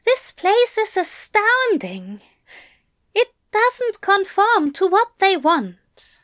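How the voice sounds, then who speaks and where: A woman's voice: very high voice, huge pitch swings, extremely slow, a bit bright, pitched above the performer's own voice, full character voice. A woman voicing an anxious, earnest male angel who pours out fretful confessions in a raised voice.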